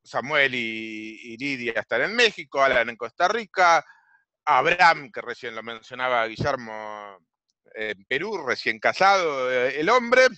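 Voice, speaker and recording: A man in his forties with an Argentine Rioplatense accent, giving a virtual coaching class on a video call with a headset, halting with many fillers and repeated words. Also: mid-range voice, animated, pushed and bright, dry recording. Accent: Rioplatense Spanish. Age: 40s. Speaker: online business coach. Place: home room on a video call.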